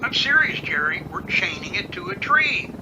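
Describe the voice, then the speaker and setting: A man's voice: sits high, sing-song, normal speed. A man playing a straight-faced, by-the-book helicopter pilot in an amateur audio drama, dryly unflappable and matter-of-fact. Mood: deadpan. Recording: hissy, noisy radio-drama track with outdoor ambience.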